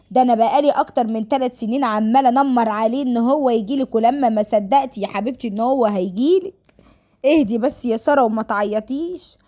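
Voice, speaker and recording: A woman plays a middle-aged Egyptian mother in a family story. She speaks quickly in a high voice. She cajoles and scolds in turn, sprinkling endearments as she nags. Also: a little mellow, natural voice. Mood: scolding, coaxing. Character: nagging, coaxing middle-aged mother pushing daughter to marry.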